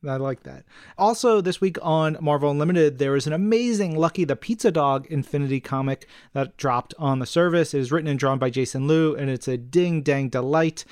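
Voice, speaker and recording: A man's voice: fairly high pitch, brisk, darkish tone, clean tone, no echo, studio quality. A man co-hosting a podcast in a casual, enthusiastic and effusive chatting style. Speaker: podcast co-host.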